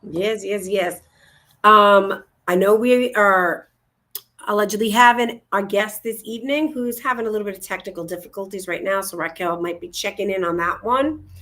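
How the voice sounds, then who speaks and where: A woman's voice: mid-range voice, normal speed, bright, forceful tone. A woman co-hosting a casual livestream talk show from home on a video call, bubbly and gushing. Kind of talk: casual upbeat livestream chat. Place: home, indoors, in Florida.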